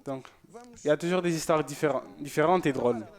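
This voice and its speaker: A man's voice: a little high, fast talker. A man presenting a church show, chatting casually and joking as he reads out viewer messages.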